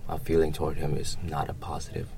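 A young man from Vietnam, a native Vietnamese speaker with a Vietnamese accent, answering casually in a halting, rambling way with lots of filler phrases. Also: a bass voice, little pitch movement, gravelly, mellow, slight background noise. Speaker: interviewee.

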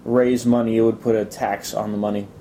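A man from Italy answering casual interview questions in a hesitant, measured way. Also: flat delivery, mellow. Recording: low rumbling background noise.

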